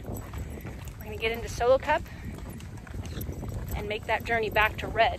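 High-pitched female speech at a fairly slow pace, with ordinary pitch variation, a dry sound with no echo and noticeable background noise. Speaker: travel vlogger. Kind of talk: casual vlog chat. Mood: upbeat, relaxed. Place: street. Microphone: phone near.

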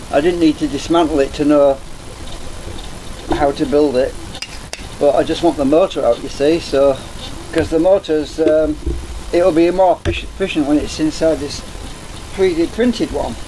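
The speech moves at a moderate pace with long, frequent pauses over light background noise. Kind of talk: casual live stream tutorial. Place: home room. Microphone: webcam.

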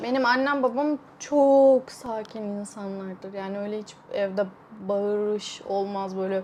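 Very slow delivery with ordinary pitch variation and big swings in loudness. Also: woman, medium pitch for a woman. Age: 20s. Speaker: psychologist. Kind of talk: casual chat. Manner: calm.

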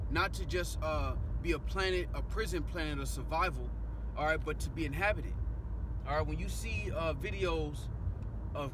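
A man talking at a moderate pace with long, frequent pauses, in a dry sound with no echo but noticeable background noise. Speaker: religious commentator. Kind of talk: sermon-like vlog commentary. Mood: earnest, preaching. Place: car. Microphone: phone near.

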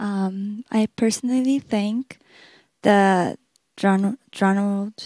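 A woman's dark, mellow, medium-pitched voice with a Japanese accent, very slow pace and fairly even intonation, in a dry sound with no echo and a quiet background. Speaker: exchange student. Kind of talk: group discussion. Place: hall. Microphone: handheld.

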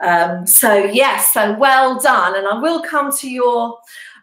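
A woman's voice with audible room echo over a quiet background. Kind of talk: live-streamed exercise class instruction and chat. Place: home room.

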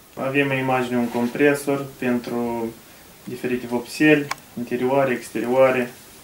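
Over light background noise and audible room echo, a man talks at a fairly slow pace in a monotone, flat delivery. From Moldova, Telenești; Moldova. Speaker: small business owner in construction; narrator showing equipment. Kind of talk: testimonial. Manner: halting, with frequent fillers. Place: home room. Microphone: phone near.

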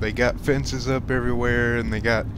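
Speech comes at a moderate pace in a dry sound with no echo, over noticeable background noise. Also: man. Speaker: travel vlogger. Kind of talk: casual vlog chat. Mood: a little wistful. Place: car. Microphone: phone near.

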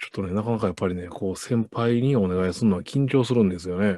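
A man in an animated tone at a very fast pace, with ordinary pitch variation and a dry sound with no echo. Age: 40s. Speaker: comedian and online talk show host; comedian, online talk show host. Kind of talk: casual chat, live-streamed interview; casual interview chat. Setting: video call. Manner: animated, frequent laughter. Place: home room. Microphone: earbuds.

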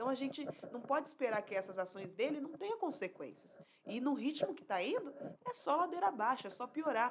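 Amid noticeable background noise, a woman speaks fairly quickly in a high, animated voice with very wide pitch swings. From Brazil, São Paulo state (Araraquara); São Paulo state, Brazil. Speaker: state legislator; guest. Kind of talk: political talk show chat. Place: studio. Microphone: studio mic.

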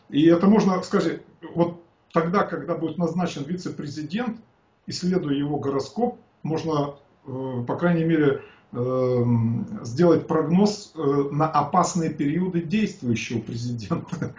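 Amid audible room echo, a man speaks at a fairly slow pace with ordinary pitch variation and long, frequent pauses. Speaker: guest. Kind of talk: interview answer. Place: office. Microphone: video call.

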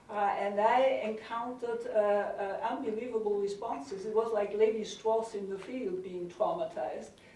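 Audible room echo surrounds a woman with a fairly high pitch and ordinary pitch variation. She talks at a moderate pace with hardly any pauses. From Vienna, Austria. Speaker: sociologist of science, panelist. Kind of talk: panel talk at academic conference. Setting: stage with audience. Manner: halting. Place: hall. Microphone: handheld.

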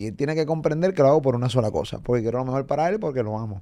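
A man's voice against a quiet background. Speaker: podcast host. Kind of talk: podcast monologue storytelling. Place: studio. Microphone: studio mic.

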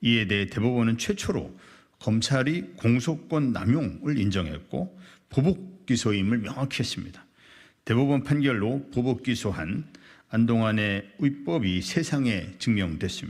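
Against a quiet background, a man talks at a fairly slow pace with lively intonation and very even loudness. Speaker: lawmaker. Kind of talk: press conference statement. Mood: firm, accusatory. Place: hall. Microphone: podium.

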